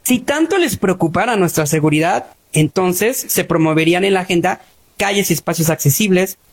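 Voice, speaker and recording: A woman's voice: lowish voice, lively intonation, normal speed, husky. A woman with a Mexican accent delivering a scripted statement as a disability rights activist.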